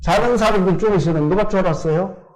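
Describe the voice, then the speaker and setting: A man's voice: high-pitched, brisk, poor audio. An older man from South Korea, preaching a sermon in church and putting questions to his congregation. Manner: asks the congregation questions and answers them himself. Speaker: pastor.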